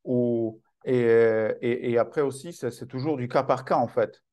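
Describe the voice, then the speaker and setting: A man with a mid-range voice hosts a relaxed conversation. He speaks thoughtfully and haltingly, often repeating words while he works out what to say next. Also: medium pitch. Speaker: host. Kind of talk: conversational interview.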